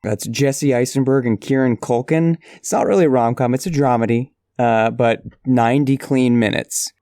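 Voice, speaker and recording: A man with a mid-pitched voice co-hosting a casual podcast. He chats with dry, offhand humor. The sound is dry and close. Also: fairly even intonation, normal speed, dark tone, dry recording. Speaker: podcast co-host. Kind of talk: casual comedic chat.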